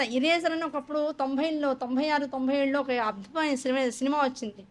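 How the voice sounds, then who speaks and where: Brief: high-voiced woman speaker, quick and animated, storytelling scripture talk. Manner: animated, conversational storytelling with asides. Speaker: religious discourse speaker. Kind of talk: Hindu scripture discourse with storytelling.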